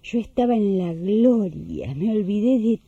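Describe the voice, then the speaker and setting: A woman's voice: medium pitch, lively intonation, a little slow, vocal fry, dark tone, slightly rough, no echo, heavily acted. Actress as devout young mother, muffled Rioplatense Spanish. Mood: tender, moved. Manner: chatty, heartfelt, colloquial. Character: emotional devout young mother pilgrim recalling childbirth. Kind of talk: Spanish-language radio drama acting.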